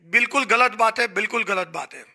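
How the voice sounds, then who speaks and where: A man's voice: high voice, fairly quick, sharp tone. A middle-aged man with an Indian accent, a hotel association guest on a talk show, explaining earnestly into a handheld mic in a small studio. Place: small studio set, indoors.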